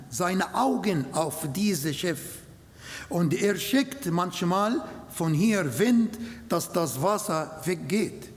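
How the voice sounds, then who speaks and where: High-voiced Arabic-speaking man preaching slowly. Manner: slow, halting German with non-native grammar. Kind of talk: sermon. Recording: long hall reverb.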